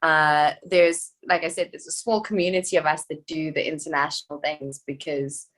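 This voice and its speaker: Chatty, animated young woman actress. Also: low-pitched. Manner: chatty and animated, quick asides and many "like" fillers. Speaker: actress guest. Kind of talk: casual podcast chat.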